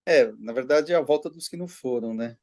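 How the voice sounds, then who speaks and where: A man's voice: medium pitch, fairly quick, a little mellow, no room sound. Matter-of-fact male commentator, dry sound. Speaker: economics commentator. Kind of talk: casual panel chat.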